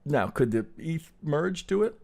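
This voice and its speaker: A man's voice: fairly high pitch, sing-song, a little slow, creaky, a little mellow. A middle-aged man giving an informal live lesson in chart analysis, thinking aloud conversationally, often checking in with a tagged-on "right" and swearing casually. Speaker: trading educator and video host.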